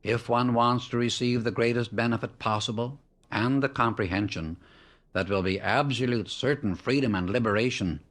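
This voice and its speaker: A man narrating a scripted spiritual discourse as an audiobook, solemn and measured, setting out short phrases with emphasis. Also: mid-range voice, fairly bright tone. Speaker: audiobook reader.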